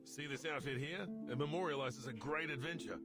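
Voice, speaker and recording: An actor playing a warm male adventurer companion in a game, speaking in a measured, slightly formal way. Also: medium pitch, over loud music, natural voice.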